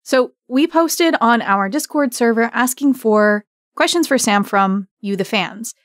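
A woman's voice: on the high side, expressive, measured pace, no echo, clean studio sound. A woman hosting a conversational interview, putting questions to a guest. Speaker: interviewer, host.

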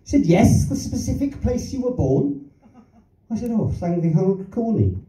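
An older London man performs stand-up on a small theatre stage, rambling through anecdotes with self-deprecating asides and chuckles. His voice is high-pitched, sing-song and dark in tone, at a measured pace. He holds a handheld mic, and the clip, filmed from the audience, sounds roomy, distant and dull.

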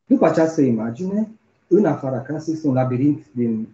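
A man with an expressive, dark-toned mid-range voice delivers an academic keynote in a conference hall, retelling a story. He checks in with the audience through frequent rhetorical "nu?" tags. The lecture recording is roomy, dull, and lo-fi.

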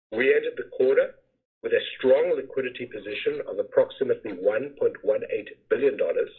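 A man in the role of a company finance executive reading a scripted earnings presentation in a formal, measured manner. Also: medium pitch, slightly rough. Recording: muffled phone-like conference call webcast audio.

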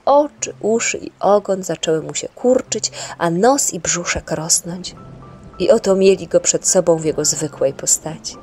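A woman's voice: lowish voice, normal speed, a little mellow, soft background music. A woman reading a children's story aloud at home for a school project, narrating steadily. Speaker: storybook reader.

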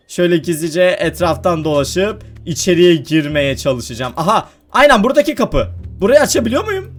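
High, excitable gaming commentator man. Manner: excitable, shouts and laughs while playing. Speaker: gaming YouTuber. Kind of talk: excited let's-play commentary.

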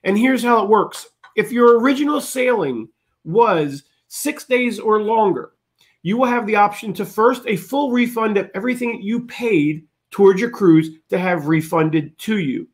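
A man's voice: high voice, expressive, normal speed. A man hosting a cruise travel channel, steadily reading out a long list of updates to his viewers.

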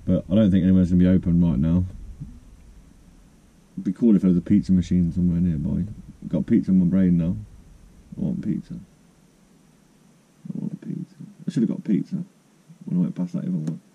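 A man's voice: sits low, fairly even intonation, brisk, long pauses, slightly rough, phone-quality sound. A man, chatting casually and rambling self-mockingly in a parked van. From United Kingdom. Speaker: van life vlogger. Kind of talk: casual vlog chat.

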